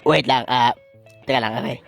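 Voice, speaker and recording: A man voicing a gruff, short-tempered drunk father in a fan dub parody, blustering and crude. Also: mid-range voice, normal speed, faint music behind, close to an everyday voice.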